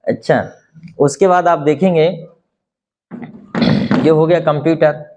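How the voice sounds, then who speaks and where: Man, native Hindi speaker, English teacher, fairly high voice, patient explaining, rhetorical questions. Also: steady tone, slow pace, darkish tone, dull audio. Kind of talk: spoken English lesson.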